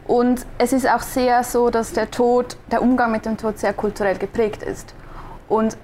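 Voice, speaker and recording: A woman's voice: on the high side, level tone, moderate pace, darkish tone, slight background noise. Young Swiss woman, thoughtful and searching. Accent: Swiss German. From Switzerland. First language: Swiss German. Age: young adult. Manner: thoughtful, searching for words, frequent restarts. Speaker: guest, designer and podcaster. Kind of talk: conversational interview answers.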